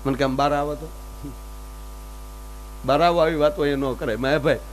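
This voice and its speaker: A man performs stage comedy in a high, lively voice. He plays both sides of each story's dialogue. A faint electrical hum runs under the live mic. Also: brisk. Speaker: folk comedian.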